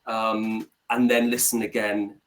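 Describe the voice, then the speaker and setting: A man's voice: on the low side, little pitch movement, slow pace, poor audio. A man, tutoring a student in casual conversation over a video call, repeating points for emphasis. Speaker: English tutor.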